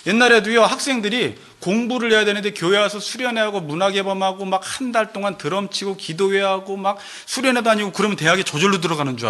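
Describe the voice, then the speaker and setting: A man preaching from the pulpit with a high, bright, lively voice that swoops up and down. He is animated and often drops into little acted-out voices of churchgoers to make his point. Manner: animated, acts out congregants' voices in quotes. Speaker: pastor. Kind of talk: sermon.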